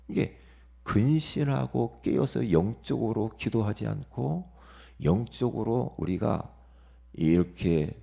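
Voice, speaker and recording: A middle-aged male pastor preaching a dawn sermon, shifting sharply between hushed whispers and loud outbursts and often calling "예?" to the congregation. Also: fairly low pitch, gravelly, slightly rough. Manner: dramatic swings from whispers to shouts; asks the congregation "예?" for response.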